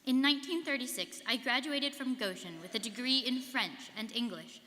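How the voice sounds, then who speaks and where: A young woman student performer, her voice on the high side with a sharp tone and normal speed, recites an earnest first-person life story in a rehearsed stage reading. The mood is earnest recollection, recorded live in a reverberant hall.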